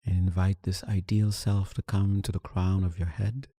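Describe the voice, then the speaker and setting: A man leading a guided meditation, giving soothing, unhurried instructions with long pauses between phrases. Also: low-pitched, little pitch movement, warm tone, no room sound, clean studio sound. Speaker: meditation teacher.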